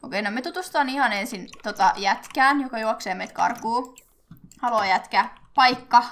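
A young woman with a somewhat high voice chats loosely through her gameplay. She giggles often and speaks straight to the characters on screen. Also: a bit bright. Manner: chatty, giggly, talks to her game characters. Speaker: gaming YouTuber. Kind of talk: casual Let's Play commentary.

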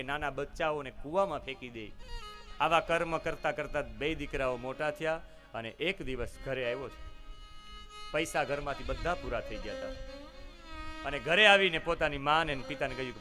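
A man preaching in a devotional storytelling style, telling moral tales with dramatic emphasis. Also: mid-range voice. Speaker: religious storyteller. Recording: violin music behind the voice.

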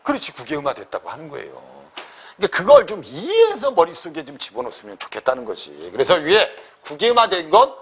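Animated male grammar tutor, high lively voice. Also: quick pace. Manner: lively, keeps asking students questions with tag checks; emphatic, swings between loud high stresses and quiet asides. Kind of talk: classroom lecture.

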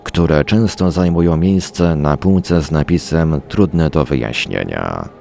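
A male narrator with a low voice reads prepared text for a radio audiobook. His delivery is formal and measured, in the manner of a storyteller presenting written accounts. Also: vocal fry, a little mellow. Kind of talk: scripted narration, audiobook reading.

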